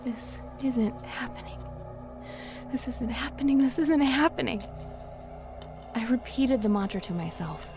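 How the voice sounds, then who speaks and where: A woman playing a dazed, horror-struck narrator in a horror audio drama, speaking with hushed, numb dread. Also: on the high side, a little slow, long pauses, music in the background. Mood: frightened pleading.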